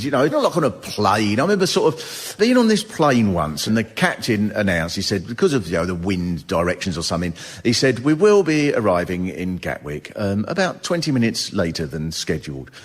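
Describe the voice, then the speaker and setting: A man's voice: mid-range voice, breathy edge, big-room sound. A man performing stand-up comedy before a live audience, with sardonic, exasperated rants. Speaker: comedian host. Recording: live stage recording with audience noise.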